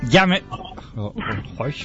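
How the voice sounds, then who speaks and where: A man's voice: slow, a bit bright. Playful man hosting a radio game. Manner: playful, theatrical reading. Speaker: radio host. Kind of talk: reading a story for a radio game. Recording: dull radio audio with music behind.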